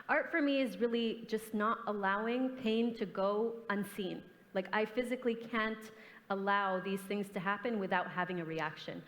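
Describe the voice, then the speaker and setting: A young woman artist speaks at a forum panel, earnest and impassioned. Her voice sits in a middle register and rings with a long reverb from a big conference hall. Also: mid-range voice. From grew up in the US and Canada. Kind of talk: panel discussion answer. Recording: hall reverb, stage mic.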